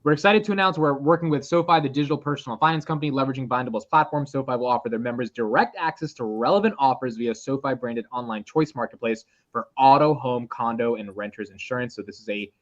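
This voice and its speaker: A man in his twenties hosting a casual group podcast, animated and swearing freely. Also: medium pitch, fast, hardly any pauses, muffled recording. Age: 20s. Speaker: podcast host.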